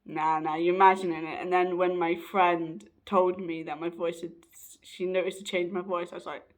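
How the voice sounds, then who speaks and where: A young trans man, rambling casually in a personal vlog, often correcting himself and laughing, his voice slightly raspy and hoarse. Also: high-pitched, flat delivery, moderate pace. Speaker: vlogger.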